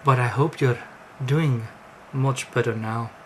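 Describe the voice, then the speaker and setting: A man's voice: medium pitch, fairly even intonation, takes it slowly, a little mellow, slight background noise, close to an everyday voice. A man voicing a kindly, hearty Amish farmer in his sixties, with solicitous, old-fashioned talk. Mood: warm, welcoming.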